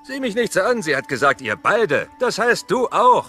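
An actor playing a grumpy, protective middle-aged father mammoth who talks dryly and sarcastically, in a dubbed animated film. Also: high-pitched, normal speed, faint music behind, exaggerated voice. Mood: earnest. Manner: dry, sarcastic.

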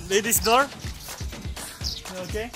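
A young Filipino man hosting a casual house-tour vlog outdoors, talking into a handheld camera and laughing loudly and often. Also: sits high, slow, over music. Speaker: vlogger. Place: outdoors on a hillside estate. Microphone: handheld camera at arm's length.

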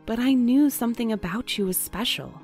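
A woman playing a gentle, hesitant, romantic young courier in an audio drama, thoughtful and a little awkward. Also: fairly high pitch, fairly quick, soft background music, natural voice. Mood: awkward, tender.

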